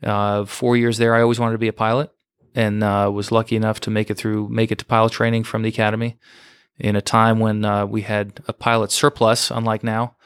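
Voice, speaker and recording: A man in his forties from New York, a former fighter pilot telling his story as a guest in a casual interview, steady and modest, with many fillers. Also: on the low side, fairly quick, clear, resonant tone, no echo, studio quality. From United States, New York. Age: 40s.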